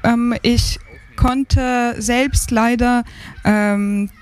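Slow, hesitant woman from Ukraine. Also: a little high, steady tone, smooth. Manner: hesitant, many fillers and restarts. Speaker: interview guest, migrant council member. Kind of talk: casual interview answers.

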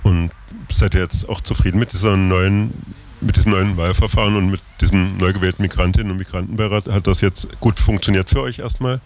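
A man interviewing guests on location, asking fluent, brisk questions. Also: deep voice, fairly even intonation, a little mellow, slight background noise. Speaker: radio interviewer at a summer festival.

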